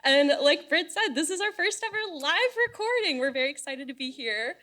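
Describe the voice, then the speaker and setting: A woman's voice: sits high, expressive, brisk, bright, forceful tone. A woman hosting a live podcast in front of an audience, chatty and playful. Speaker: podcast host. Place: live event space with audience.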